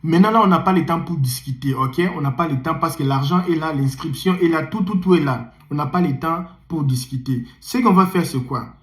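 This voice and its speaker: A man's voice: fairly high pitch, fairly quick, few pauses, roomy sound. A man giving emphatic, repetitive visa interview advice straight to the viewer. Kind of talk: animated advice vlog. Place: in the United States.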